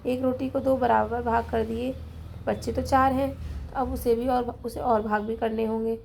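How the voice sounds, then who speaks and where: A woman teaching a children's math lesson, who explains slowly and patiently, counts items out loud and keeps checking in with her pupils, with a Hindi accent of Rajasthan. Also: a little high, little pitch movement, vocal fry, slight background noise.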